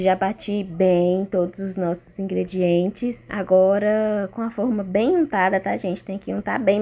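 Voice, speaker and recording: A Brazilian woman talks through a home recipe in an informal, chatty style. Her voice sits at a medium pitch. She keeps turning to her listeners with little check-in questions as she explains. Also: vocal fry, warm tone. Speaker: home cooking vlogger. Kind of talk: casual recipe narration.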